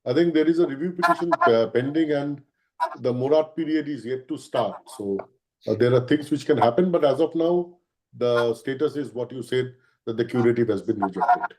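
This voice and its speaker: A man's voice: medium pitch, moderate pace, darkish tone. A man giving an answer as a company executive on an earnings call. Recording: faint noise on conference line.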